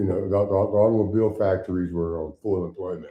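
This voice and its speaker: Talking at a very fast pace, a man with an American accent has a fairly low pitch and a dark, mellow tone. Audible room echo surrounds him. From Detroit, Michigan. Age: 70s. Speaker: notary at house closing; interviewee. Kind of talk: casual chat. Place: home room. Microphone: camera far.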